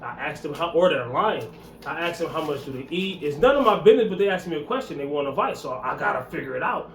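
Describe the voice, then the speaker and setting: A man's voice: on the high side, fast talker, reverberant, faint music behind. A man in his forties giving a blunt, repetitive motivational talk about fitness and weight loss. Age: 40s. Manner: blunt, repetitive, preachy, animated. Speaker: fitness vlogger. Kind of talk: casual motivational talk to camera.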